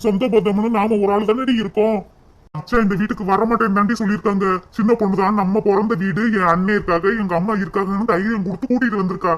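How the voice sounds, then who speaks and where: A man's voice: high-pitched, steady tone, fast talker, lightly acted. A man voicing a cartoon husband who pleads and reproaches his wife on his sister's behalf. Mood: pleading. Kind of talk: cartoon voice acting.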